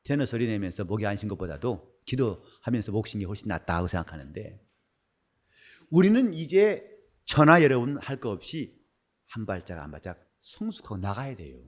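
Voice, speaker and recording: A middle-aged man preaching a sermon as pastor, his voice husky and worn, switching between loud bursts and quiet asides. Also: fairly low pitch, big pitch swings, moderate pace. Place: church sanctuary.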